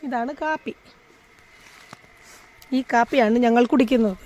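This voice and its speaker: A woman's voice: fairly high pitch, a little slow, darkish tone. A woman from Kerala with a Malayali accent, chatting casually as she walks around her hilly farm and films a vlog on her phone. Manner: chatty, switches to sweet coaxing talk with a child. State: out of breath on a steep climb. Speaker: vlogger. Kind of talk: casual walking vlog narration.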